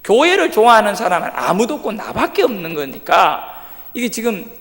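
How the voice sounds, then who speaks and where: High-voiced preacher in a reverberant church. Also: male voice, fairly quick. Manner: lively storyteller who acts out quoted speech. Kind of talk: sermon testimony storytelling. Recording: long hall reverb.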